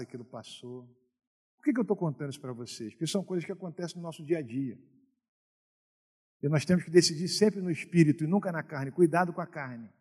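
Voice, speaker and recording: A middle-aged Brazilian man preaching a sermon as a pastor, telling stories and moving from quiet asides to loud exhortation. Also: a little high, in a large hall. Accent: Brazilian Portuguese.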